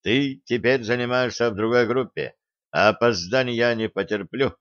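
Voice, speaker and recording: A man's voice: mid-range voice, normal speed, fairly bright tone, dry recording, highs cut off, close to an everyday voice. A man voicing a stern, strict karate sensei with a curt way of speaking.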